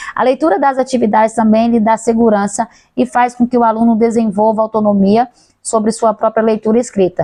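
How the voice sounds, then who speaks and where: A woman's fairly high voice with a dark, mellow tone, a fairly quick pace and monotone, flat intonation. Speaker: teacher. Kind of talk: lecture. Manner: stumbles over words, self-corrects.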